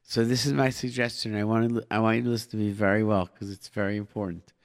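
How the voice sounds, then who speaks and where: This middle-aged call-in radio host talks fast in a lowish, steady voice. He gives casual advice through short, repeated phrases, dropping in Hebrew and Yiddish expressions along the way.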